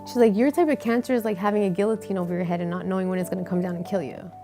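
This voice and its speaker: A woman's voice: medium pitch, steady tone, racing, music in the background. A woman in her thirties giving earnest, candid personal testimony in an interview. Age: 30s.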